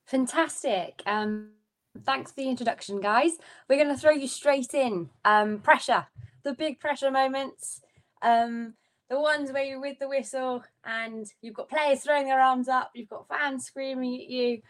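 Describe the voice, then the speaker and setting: A woman's voice: sits high, unhurried. A woman asking questions casually as an interview co-host.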